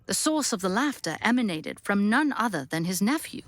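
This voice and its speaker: A woman narrating a classic story for an audio drama in an expressive, measured storybook style. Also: mid-range voice, slight background noise, close to an everyday voice.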